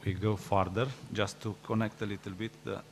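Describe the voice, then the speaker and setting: A man's voice: lowish voice, little pitch movement, fairly quick. A man moderating a conference, making brief formal announcements. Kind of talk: event moderation.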